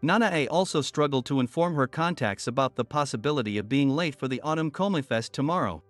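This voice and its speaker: A man narrating a first-person story in a steady, even storytelling manner. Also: mid-range voice, fairly quick, no room sound. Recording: soft music bed under voice.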